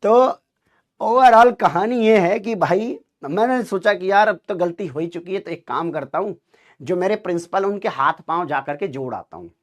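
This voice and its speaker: A man telling students a story in an animated, dramatic way, acting out the dialogue. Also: sits high, moderate pace. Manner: lively, dramatic, acts out dialogue.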